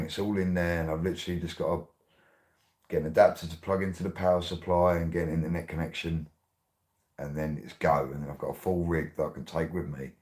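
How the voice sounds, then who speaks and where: A man, hosting his radio show in a rambling, excitable way, laughing often. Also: rumbling low. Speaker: radio host. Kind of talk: casual monologue.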